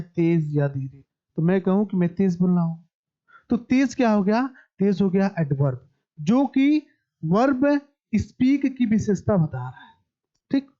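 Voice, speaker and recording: A man teaching a basic grammar lesson, slowly repeating terms and asking questions that he then answers himself. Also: high-pitched, mellow. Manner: slow, repetitive, asks and answers his own questions. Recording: dull lo-fi recording.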